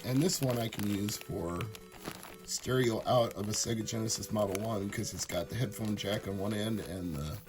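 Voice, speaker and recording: A man with a raspy, hoarse voice from a cold, chatting casually and with enthusiasm as he shows off his thrift store finds for a video. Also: on the low side, moderate pace. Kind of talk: casual show-and-tell chat.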